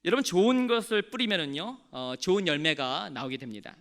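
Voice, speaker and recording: A man's voice: high-pitched, sing-song, fairly quick, fairly bright tone. A male pastor delivering a sermon, telling stories with animation and calling on the congregation to respond.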